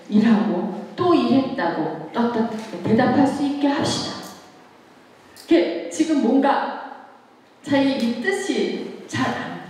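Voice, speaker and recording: A woman in her sixties giving an earnest, emotive public lecture with expressive recitation and conversational asides to her listeners. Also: fairly high pitch. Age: 60s. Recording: echoey hall, distant mic, background noise.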